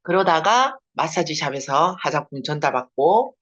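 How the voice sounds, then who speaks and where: A woman from Busan with a strong Gyeongsang dialect, a network marketing leader, gives a chatty seminar talk over a video call and laughs often. Her voice sits low and sounds a bit bright, very animated at a normal speed. The video call audio is dull and lo-fi.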